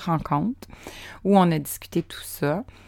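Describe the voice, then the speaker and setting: A woman with a Quebec accent and a dark, mellow tone talks very slowly in a very clean recording with a silent background. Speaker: nutrition coach and podcast host. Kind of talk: casual solo monologue. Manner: hesitant, many fillers.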